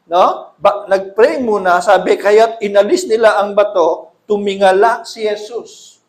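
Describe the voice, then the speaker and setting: Male pastor preaching a sermon, high voice, animated call-and-response delivery, rises to loud emphatic peaks, echoey church hall. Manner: asks the congregation questions and answers them.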